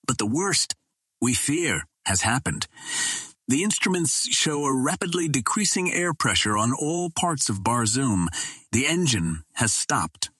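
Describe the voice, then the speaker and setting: A man's voice: mid-range voice, very animated, unhurried, sharp tone, husky, dry recording, clean studio sound, voice pushed up, heavily acted. A man voicing a solemn alien ruler who addresses his council in formal oratory, in an audiobook. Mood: grave, urgent.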